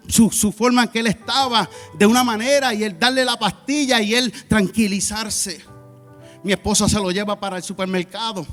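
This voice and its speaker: A man preaching a sermon as pastor, telling a personal testimony with loud peaks and quiet asides. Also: high voice. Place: church sanctuary. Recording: long church hall reverb, faint music.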